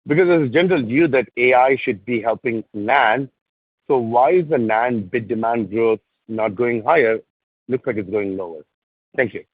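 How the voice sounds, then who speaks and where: A man's voice: mid-range voice, normal speed, no room sound. A man phoning into an earnings call as an analyst, speaking in a conversational business style over a narrow line. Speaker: analyst asking questions. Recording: dry, tinny narrow phone line.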